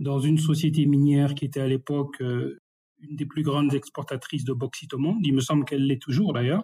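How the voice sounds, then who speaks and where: Somewhat breathy and dark, mellow in tone, a man's fairly high voice moves with fairly even intonation. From West and Central Africa, mainly Senegal. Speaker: bank executive. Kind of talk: interview.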